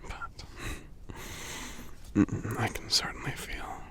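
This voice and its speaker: A man voicing a gentle, congested giant lover in an intimate ASMR roleplay, murmuring softly and tenderly with small hums between phrases. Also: takes it slowly, natural voice. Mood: tender, admiring. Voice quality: congested, stuffy, breathy half-whisper. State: congested from a cold. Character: gentle sick male giant, tender romantic partner.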